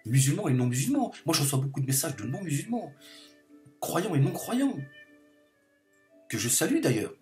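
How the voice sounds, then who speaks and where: A man's voice: fairly high pitch, very animated, moderate pace, pauses often, a little mellow, faint music behind. A man delivering an impassioned political monologue to camera, hammering his points by repeating phrases over and over. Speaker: video commentator.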